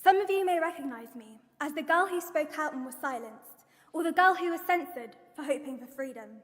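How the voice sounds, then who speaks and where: A young woman speaks in a high voice with a London accent. She delivers a prepared, earnest speech to the formal standard of a public event, and long hall reverb trails her words. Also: lively intonation, a little fast. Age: young adult. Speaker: guest speaker, activist. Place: large indoor event venue.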